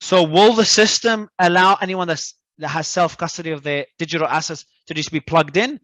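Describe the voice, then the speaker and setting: A man from Australia, a guest talking in an animated, emphatic way and often repeating words as he restarts. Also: on the high side, brisk, no echo. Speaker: crypto entrepreneur guest. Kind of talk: casual interview talk.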